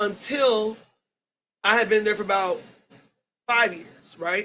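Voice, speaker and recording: An animated woman speaks at a fairly slow pace with a fairly high pitch and a bright, sharp tone. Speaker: podcast host. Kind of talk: casual chat. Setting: studio. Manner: loud laugh.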